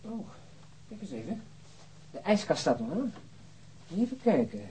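A man's voice: high voice, sing-song, measured pace, warm tone, rough recording. An actor playing a jokey, grumbling, boyish policeman in a radio drama, playful and wry. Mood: curious. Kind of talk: naturalistic Dutch radio drama acting. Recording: faint background noise.

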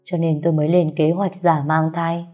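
A woman's voice: deep voice, little pitch movement, moderate pace, mellow, soft background music. A woman voicing the scheming first wife of a wealthy house, tearful and bitter.

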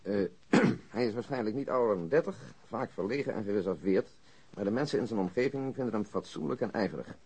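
Dry, husky methodical police detective. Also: male voice, fairly low pitch, expressive, a little mellow. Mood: dry, factual. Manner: matter-of-fact, measured, reciting. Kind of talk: radio drama acting.

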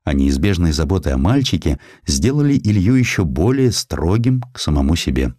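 A man with a deep, low voice narrates historical prose like a literary audiobook. His delivery is measured and expressive, with a dramatic storyteller's shaping. The sound is dry and close, free of room echo.

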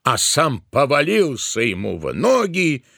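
A man narrating a literary tale for an audio play, expressively, with drawn-out emphatic words. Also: mid-range voice, wildly swooping pitch, vocal fry, fairly bright tone, dry recording, clean studio sound.

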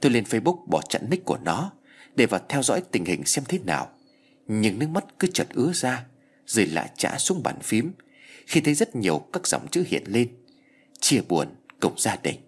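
A man narrating a ghost story in a slow, grave storytelling voice. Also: mid-range voice, very animated, husky.

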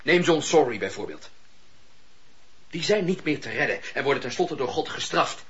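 An actor playing a stern, righteous religious leader in a historical radio drama, preachy and emphatic. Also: male voice, medium pitch, animated, moderate pace, a bit bright, natural voice. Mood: righteous, unyielding. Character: stern, indignant male religious leader of old England. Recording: muffled lo-fi radio drama recording.

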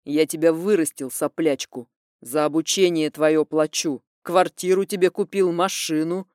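A woman's voice: deep voice, steady tone, normal speed, a little mellow, no room sound, clean studio sound, lightly acted. A woman playing a stern, domineering father. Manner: stern, through gritted teeth. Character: stern middle-aged father, domineering and cold.

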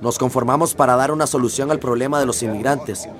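An actor playing a pushy, sarcastic citizens' committee leader confronting the mayor in a radio drama. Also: male voice, medium pitch, fast talker, natural voice. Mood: indignant.

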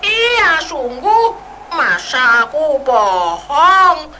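A woman's voice: sits high, very animated, drawn-out words, pushed and bright, a little hiss or hum, full character voice. A woman voicing a kind, chatty talking white squirrel in a storytelling drama, playful and fussy, tripping over her words. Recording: music playing behind the voice.

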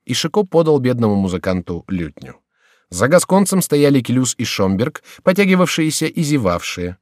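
A man narrating an audiobook with an expressive, animated reading. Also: mid-range voice, moderate pace, dry recording, studio quality.

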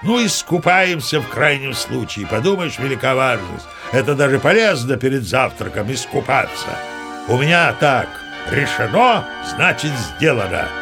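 A man's voice: mid-range voice, big pitch swings, normal speed, music in the background. An actor playing a seasoned, boastful old sea captain who tells his yarns in a chatty, emphatic, theatrical way. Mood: animated, boastful. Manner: chatty, folksy, self-assured, emphatic. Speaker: narrator. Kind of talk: theatrical first-person storytelling, audio play.

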